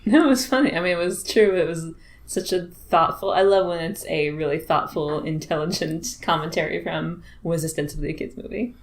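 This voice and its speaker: Podcast co-host, woman, low voice, giggly and animated. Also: a little fast, slight background noise. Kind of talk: casual chat.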